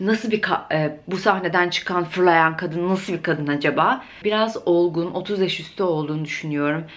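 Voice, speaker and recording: Speaking at a moderate pace with hardly any pauses, a woman has an unremarkable speaking voice, fairly low pitch, and ordinary pitch variation. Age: 30s. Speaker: beauty and perfume vlogger. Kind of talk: casual vlog talk to camera.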